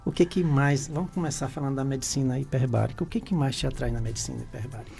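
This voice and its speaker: Male radio host, gravelly and mellow, formal and measured. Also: medium pitch. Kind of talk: radio interview. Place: radio studio.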